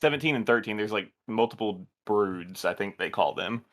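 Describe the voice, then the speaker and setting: A man's voice: on the low side, moderate pace, fairly bright tone, dry recording, clean studio sound. A man talking casually as one of the crew on a podcast question-and-answer show.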